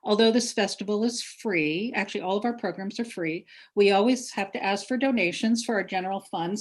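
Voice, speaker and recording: A woman event organizer giving housekeeping announcements and introductions to an online audience over a video call. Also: mid-range voice.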